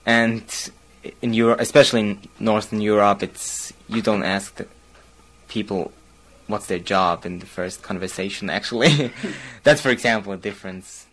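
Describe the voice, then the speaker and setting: A man's voice: lowish voice, fairly bright tone, rough recording. A young man from Basel with a Swiss German accent, whose first language is German. He reads a short passage and then talks casually, hesitating often and chuckling between phrases. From Basel, Switzerland. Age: young adult. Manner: hesitant, frequent pauses and fillers. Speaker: university student.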